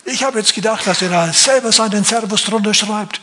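A man's voice: high-pitched, brisk, bright, forceful tone, voice pushed up. A man voicing a demanding, entitled churchgoer who complains about being answered only by staff. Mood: whiny. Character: whiny entitled male churchgoer.

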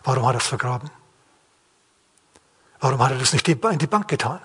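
A man's voice: mid-range voice, lively intonation, fairly quick, a bit bright, slightly rough. A man preaching a sermon in a plain-spoken, questioning way, acting out the quotes. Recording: long hall reverb.

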